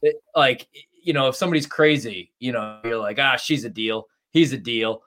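A man's voice: medium pitch, normal speed, a bit bright. A young man with a Chicago accent co-hosting a betting podcast, rambling and laughing as he talks. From Chicago area. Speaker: sports betting podcast co-host. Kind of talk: casual sports talk.

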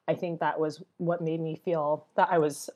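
Woman, low pitch, American accent, casual podcast guest, conversational, personal anecdotes. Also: flat delivery, moderate pace, a little mellow. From Boston, United States. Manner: conversational, often uses "like", acts out quoted remarks. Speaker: podcast guest, travel blogger. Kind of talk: casual personal storytelling in interview.

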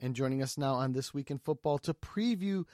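A man's voice: medium pitch, a little fast, dark tone, dry recording, clean studio sound. A man hosting a football podcast, reading intros in an upbeat announcer way. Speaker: podcast host. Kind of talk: scripted show intro and interview questions.

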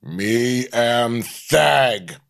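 Crude caveman bully, played by a man, dragging out broken words slowly, comedy script read. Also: mid-range voice, lively intonation, vocal fry, fairly bright tone, full character voice. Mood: dim, blunt. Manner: broken, drawn-out primitive speech. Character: slow grunting brutish caveman bully, crude and dim.

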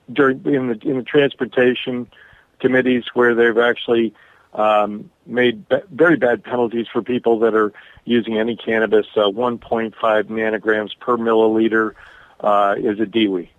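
A man calling in to a radio show over a bad phone connection, speaking haltingly with many pauses and restarts. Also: medium pitch, no room sound. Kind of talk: call-in radio interview. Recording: tinny dry phone line.

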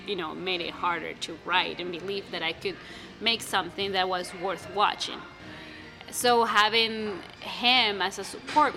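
A young woman with a bright, clear voice talks about writing her first play. English is her second language, and she restarts often in an animated, casual way. Faint music plays underneath. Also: mid-range voice. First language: not English. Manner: animated, many restarts and fillers. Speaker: playwright guest. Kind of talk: casual interview answers.

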